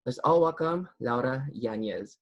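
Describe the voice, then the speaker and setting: A man's voice: mid-range voice, animated, a little slow, muffled recording. A man hosting a ceremony, formally thanking and introducing speakers with a few stumbles as he reads. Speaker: event host.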